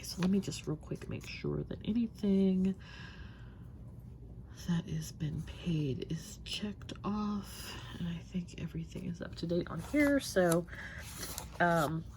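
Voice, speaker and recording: A young woman with a lowish voice rambles through her monthly budget check-in, full of ums, sounding stuffy and sniffly. She's a budget planner vlogger, and there's slight background noise.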